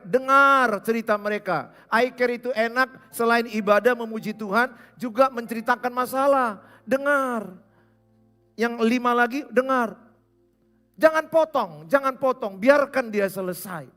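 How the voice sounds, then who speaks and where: A male pastor preaching a sermon in a church, animated and speaking straight to his listeners. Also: high voice. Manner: animated, acts out scenes, speaks to the listener directly.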